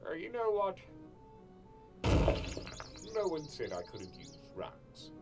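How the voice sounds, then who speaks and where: A woman's voice: low voice, huge pitch swings, slow, over loud music, full character voice. A woman voicing a sly, teasing male trickster of chaos in a cartoon, sardonic and theatrical. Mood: mock outrage. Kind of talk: dramatized cartoon parody dialogue.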